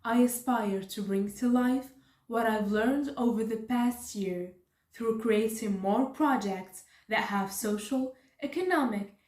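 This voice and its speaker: Higher-voiced woman in a roomy, distant recording. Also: warm tone. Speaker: student project member. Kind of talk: prepared interview answer.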